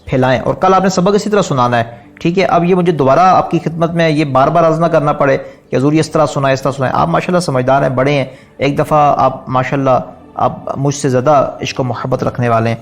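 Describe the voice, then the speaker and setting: A man with a Pakistani Urdu accent teaching an online naat singing lesson, politely explaining, counting repetitions aloud and singing drawn-out phrases. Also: fairly high pitch.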